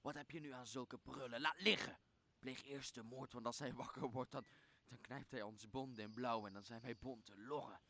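A man's voice: medium pitch, fairly even intonation, moderate pace, pushed and bright. A man acting a servile, scheming island monster in a Shakespeare radio play, fawning and easily irritated. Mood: angry, impatient.

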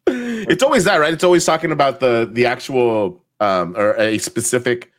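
A man's voice: medium pitch, unhurried. A man co-hosting a podcast, chatting casually and joking. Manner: animated, joking. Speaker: podcast co-host. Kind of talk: casual chat.

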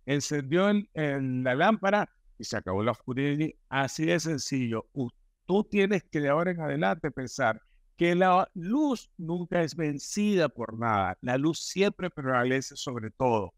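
As a guest on a podcast about casual spiritual topics, a man with a slightly high, animated voice speaks a little slowly, recorded clean in a studio with no room sound. He tells stories emphatically and tends to repeat himself.

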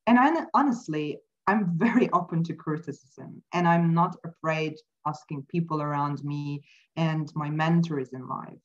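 A woman whose first language is not English, speaking as an interview guest, thoughtful and halting with many fillers. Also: low voice, lo-fi sound. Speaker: podcast guest. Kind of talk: casual interview talk. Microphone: remote call mic.

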